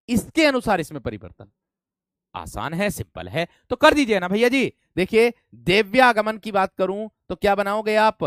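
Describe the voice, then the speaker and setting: A man's voice: fairly high pitch, clean tone, no room sound, clean studio sound. A man teaching an online grammar class, explaining step by step and often calling his students friends and brave ones.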